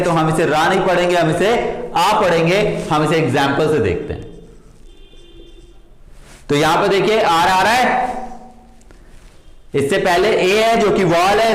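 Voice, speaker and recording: A man with an Indian accent, teaching pronunciation rules in a lesson and drilling words by repeating them and asking the listener to repeat. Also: high-pitched. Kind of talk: classroom-style lesson explaining rules. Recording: echoey room.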